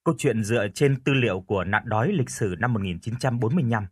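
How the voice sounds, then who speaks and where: A man narrating a scripted first-person horror story in an expressive storytelling voice. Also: mid-range voice, fast, breathy edge, no room sound, studio quality.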